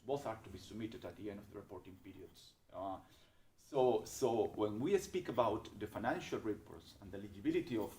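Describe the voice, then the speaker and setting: A man with a strong, slightly low voice explains rules in a webinar Q&A, building his points step by step with frequent restarts and hesitations. The sound is roomy and echoey, and he is picked up by a microphone some distance away. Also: a little mellow, slight background noise. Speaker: expert presenter answering questions.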